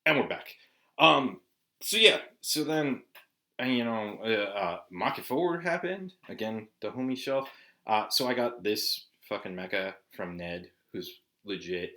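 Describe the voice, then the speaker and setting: A man's voice: fairly low pitch, lively intonation, measured pace, pushed and bright. A man in his forties from Southern California, chatting casually to camera as a vlog host, laid-back and swearing often with lots of "like" and "dude". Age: 40s.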